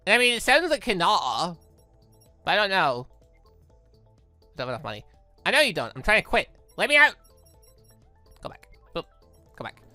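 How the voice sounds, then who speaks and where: A man commentates a video game in a casual, rambling way, often cutting himself off. His delivery is bright and very animated, recorded close and dry. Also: high-pitched, normal speed, pauses often, no room sound, soft background music. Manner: rambling, self-interrupting, playful sound effects. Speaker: gaming video host. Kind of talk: casual let's-play commentary, reading dialogue aloud.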